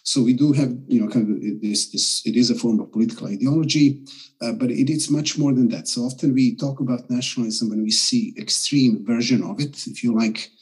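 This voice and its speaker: A middle-aged man, a guest scholar, explaining ideas at length over a video call, measured and full of restarts and fillers. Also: mid-range voice, fairly even intonation, a little mellow, slightly rough, low-quality recording.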